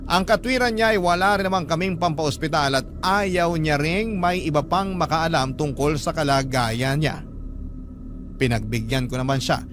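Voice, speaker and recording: A man narrating a listener's story in a radio drama, earnest and polite. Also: fairly high pitch. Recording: music bed under the voice.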